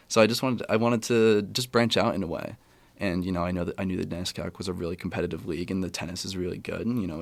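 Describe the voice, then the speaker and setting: A young American man with a deep voice talks quickly in a casual podcast interview. He rambles and corrects himself as he goes, like a college athlete chatting as a guest. The sound is dry and close, with very little room. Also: vocal fry, no room sound. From California, USA. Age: young adult, about 20. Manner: conversational, rambling, self-correcting.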